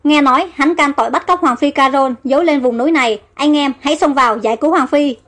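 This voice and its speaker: Lady reading a tough soldier captain yelling orders, faint music under it. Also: high-pitched, fast talker. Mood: commanding. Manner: barking orders. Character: gruff male Egyptian army captain.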